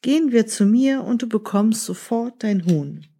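A scheming grown man who hides his lies behind friendly words, read by a woman telling a storybook tale. The voice is mellow and slightly husky, and the delivery is slow. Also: on the high side, animated.

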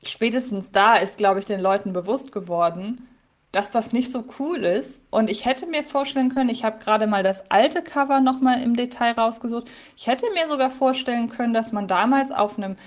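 A woman co-hosts a casual podcast and talks through her thoughts as they come. She hesitates often, filling pauses and restarting her sentences. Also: fairly high pitch. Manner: thinking aloud, hesitant with many fillers. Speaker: podcast co-host.

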